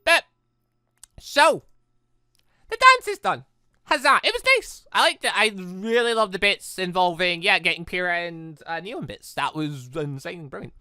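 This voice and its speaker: Animated male gamer with a bright voice. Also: high-pitched, normal speed, smooth, no room sound, studio quality. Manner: rambling, excitable, animated. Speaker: gaming video host. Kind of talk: casual let's play commentary.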